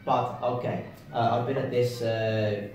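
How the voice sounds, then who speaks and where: A man's voice: mid-range voice, fairly even intonation, measured pace, a little mellow. A man from Britain co-hosting a casual chat with a dry, understated manner and many hesitant fillers. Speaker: co-host. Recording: echoey room, distant mic, faint music.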